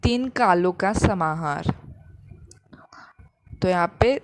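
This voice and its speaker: A woman's voice: lowish voice, expressive, takes it slowly. A woman teaching a grammar lesson, patiently repeating each example and explaining it step by step.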